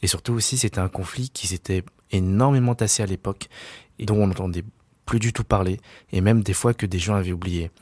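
Against a quiet background, a man with a fairly low pitch speaks at a fairly quick pace, broken by long, frequent pauses. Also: fairly even intonation. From Paris suburbs, Seine-Saint-Denis (Aulnay-sous-Bois); Paris. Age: 20s. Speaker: photographer; interview guest. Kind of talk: interview. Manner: hesitant, many filler sounds. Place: office.

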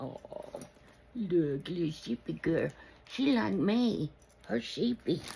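A woman with an American accent speaks at a very slow pace, leaving long, frequent pauses. Her fairly low voice has vocal fry and very wide pitch swings. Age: 70s. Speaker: YouTuber. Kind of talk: haul video. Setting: at home. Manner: casual chatty.

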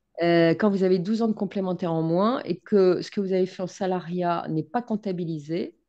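The voice has a dark, mellow tone and fairly even intonation at a moderate pace, with hardly any pauses. The background is quiet. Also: woman. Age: 60s. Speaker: storyteller and lecturer; guest. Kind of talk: casual chat; interview answer. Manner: halting. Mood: grateful, emotional. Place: home room. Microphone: studio mic.

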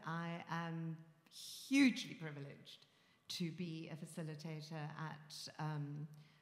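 A woman with a fairly low voice talks in a space with audible room echo. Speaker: event host. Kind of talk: event introduction speech. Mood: warm, humorous. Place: hall. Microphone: podium.

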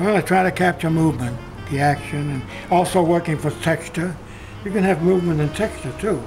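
Over clear background music, a man talks at a fairly quick pace in a high pitch with ordinary pitch variation. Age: 80s+. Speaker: metal sculptor. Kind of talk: interview answer. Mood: reflective, content. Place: workshop. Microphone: camera far.

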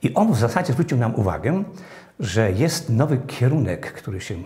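This man talks at a fairly quick pace in a dark, mellow tone, somewhat breathy, his medium pitch swinging very widely. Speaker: retired university lecturer. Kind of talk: interview. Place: studio. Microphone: lapel.

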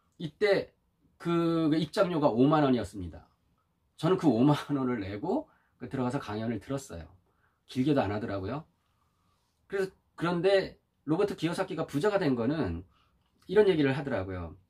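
A man's fairly high voice at a moderate pace, with very wide pitch swings and long, frequent pauses. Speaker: YouTuber reviewing books. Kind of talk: casual monologue.

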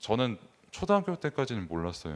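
His pitch swings very widely. The man talks at a fairly quick pace. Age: 30s. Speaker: youth pastor. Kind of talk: sermon. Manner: conversational.

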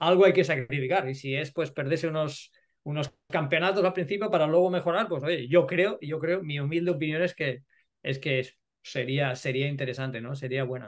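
At a moderate pace and fairly high pitch, a man speaks with ordinary pitch variation over a quiet background. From Catalonia, Spain. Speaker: football coach. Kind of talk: interview. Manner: halting, with many repetitions. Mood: calm, reflective. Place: home room. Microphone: video call.

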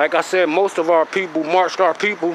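A man speaks at a moderate pace. The sound is dry with no echo, with light background noise. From Chester, Pennsylvania, US. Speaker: YouTube commentator. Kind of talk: angry profanity-laced rant at a commenter, then political street commentary. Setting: outdoors in an alley. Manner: heated, cursing, stammering repetitions when fired up; confrontational, mocking street talk with rhetorical questions. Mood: angry, ranting. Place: street. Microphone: phone near.

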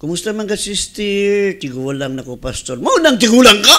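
Raising and projecting his voice, a man with a high pitch speaks at a fairly slow pace in a bright, sharp tone. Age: 50s. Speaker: pastor. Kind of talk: radio sermon. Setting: radio studio. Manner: animated.

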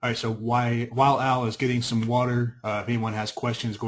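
Words come from this man at a very fast pace. His voice is somewhat breathy. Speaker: webinar host. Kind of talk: webinar introduction and moderating. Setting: online webinar. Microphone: video call.

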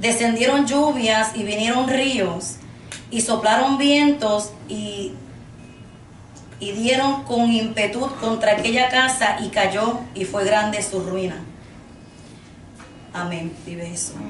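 Against light background noise and audible room echo, a woman speaks at a fairly slow pace with ordinary pitch variation and long, frequent pauses. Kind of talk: sermon. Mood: earnest, solemn. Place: hall. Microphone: camera far.

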